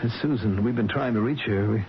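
An actor playing a worried middle-aged father in a radio drama, halting and repeating himself. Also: on the low side, natural voice. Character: anxious middle-aged father fretting over a sick woman. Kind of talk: old-time radio drama acting. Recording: dull vintage radio recording, faint hiss.

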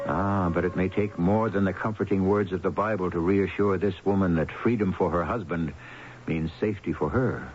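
A man's voice: low-pitched, steady tone, normal speed, darkish tone, slight background noise. A man hosting and narrating a radio mystery in a theatrical, portentous scripted style. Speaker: host and narrator. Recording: dull vintage radio recording. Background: music.

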